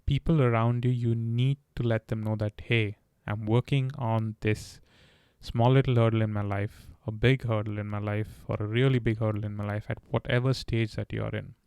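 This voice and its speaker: A man talks earnestly through his advice, now and then catching on a word and restarting. His voice has a gravelly, fry-edged texture and stays level in pitch, with little rise or fall. The sound is close and dry, with no room around it. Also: fairly even intonation, moderate pace, darkish tone, dry recording. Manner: earnest, advice-giving, occasional stammers and restarts. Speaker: podcast host. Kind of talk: candid solo podcast talk.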